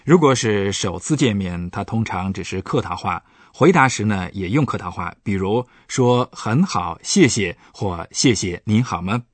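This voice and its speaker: A man's voice: fairly low pitch, lively intonation, normal speed, few pauses, no echo. A man, a professor, patiently explaining German grammar points on a radio language lesson. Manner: patient, explanatory, stresses example words.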